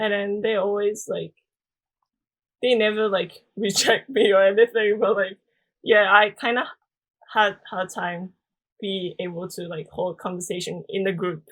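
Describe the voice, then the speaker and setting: A woman with a Japanese accent, fairly slow in pace, her intonation fairly even, with long, frequent pauses and big swings in loudness. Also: medium pitch for a woman. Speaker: office worker. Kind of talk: casual chat.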